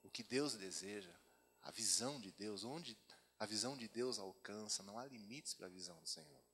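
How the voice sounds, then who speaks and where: A man's voice: fairly low pitch, a little fast, sharp tone, slight background noise. A man with a Brazilian Portuguese accent preaching a sermon at a church retreat, mixing chatty asides with scripture read aloud. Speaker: pastor. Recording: long hall reverb.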